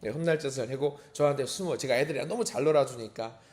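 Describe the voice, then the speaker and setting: A man's voice: medium pitch, fast talker, a little mellow. A man preaching a dawn service sermon, earnest and at times emphatic as he acts out prayers. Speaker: pastor.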